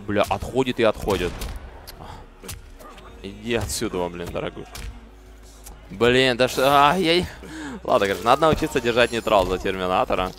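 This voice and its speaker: A man's voice: fairly low pitch, expressive, normal speed, long pauses, a bit bright, faint music behind. A man in his thirties giving casual live gameplay commentary, with muttered, sweary asides. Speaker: game streamer.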